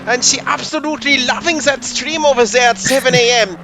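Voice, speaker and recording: High-voiced man calling a race. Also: a little fast, noisy background. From Australia. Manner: jokey, rambling banter with co-host. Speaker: sim racing commentator. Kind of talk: live race commentary.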